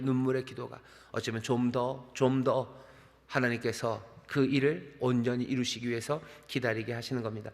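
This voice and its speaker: A man's voice: medium pitch, a bit bright. A middle-aged male pastor preaching a sermon, pressing his points with repetition and rhetorical questions. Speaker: senior pastor. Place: large church sanctuary. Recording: long church hall reverb.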